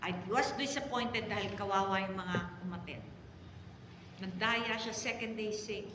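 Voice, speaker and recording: Filipino woman pastor preaching in echoey hall. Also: mid-range voice. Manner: storytelling with sudden loud exclamations and drawn-out emphasis. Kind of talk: Taglish preaching sermon. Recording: echoey hall reverb, faint background noise.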